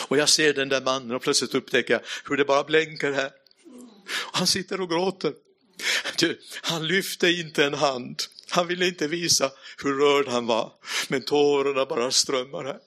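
Bright-voiced preacher telling a story. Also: male voice, fairly high pitch. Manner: storytelling, addresses the audience directly; speaks in a hushed voice at dramatic moments. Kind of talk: sermon with personal testimony.

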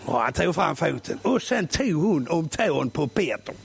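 A male preacher telling a story in a sermon, loud and exclamatory, swinging from shouting to hushed tones. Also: on the high side, very animated, gravelly, crowd noise. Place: church. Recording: muffled lo-fi recording.

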